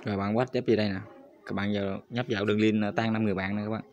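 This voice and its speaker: A man's voice: fairly low pitch, little pitch movement, very fast, a little mellow, highs cut off, faint music behind. A man hosting a screen-recorded crypto tutorial, talking viewers through each step and repeating his address to them constantly. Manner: repetitive, addresses viewers constantly as "các bạn".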